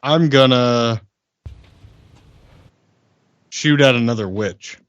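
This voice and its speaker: A man's voice: mid-range voice, slow pace, clean tone, no room sound, highs cut off. A man talking casually as a player in a tabletop game.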